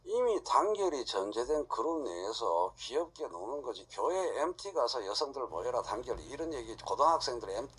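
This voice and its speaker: A man's voice: medium pitch, very animated, moderate pace, few pauses, fairly bright tone, slightly rough. A middle-aged man lecturing an audience, blunt and full of rhetorical questions.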